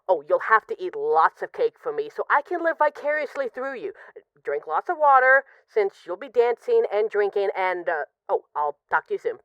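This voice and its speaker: A woman's voice: medium pitch, very animated, dry recording, dull audio, natural voice. A woman playing a possessive, lovesick mafia boss in an intimate, conversational audio roleplay of voicemails. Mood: affectionate, breezy. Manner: conversational, teasing, halting when emotional.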